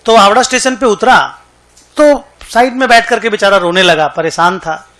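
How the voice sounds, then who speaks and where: Bright-voiced joking accountancy teacher. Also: male voice, high-pitched, normal speed. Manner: chatty, joking, dictating notes. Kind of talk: classroom lecture with storytelling.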